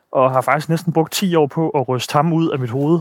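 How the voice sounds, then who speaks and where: Over a very clean recording with a silent background, a man speaks at a fairly high pitch with fairly even intonation. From Denmark, Sejs near Silkeborg (central Jutland). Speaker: film director. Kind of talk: casual interview on location. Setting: outdoors walking around hometown. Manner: halting with repetitions.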